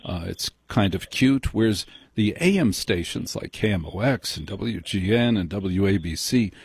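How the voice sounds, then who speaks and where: A man's voice: low-pitched, expressive, moderate pace, darkish tone, husky, dry recording, studio quality. An American man hosting a live call-in radio show, chatting casually and explaining things courteously. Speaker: radio talk show host. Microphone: close studio broadcast mic.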